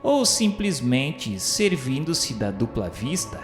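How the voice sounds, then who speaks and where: A man reads a scripted radio novel at a slow, measured pace. His delivery is formal, solemn and declamatory. The voice rings in a long, echoey reverb, with music playing behind it. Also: medium pitch, sing-song. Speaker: narrator.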